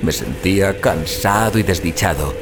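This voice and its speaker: A man's voice: low-pitched, moderate pace. A man playing a weary, frightened explorer who recounts his ordeal in solemn, literary, suspenseful first-person audio fiction. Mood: desperate, exhausted. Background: music bed.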